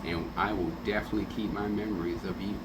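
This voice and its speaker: A man speaks quickly in a low, steady tone through heavy background noise. In casual radio talk, he remembers a late friend with heartfelt affection, regularly acting out quotes from memory.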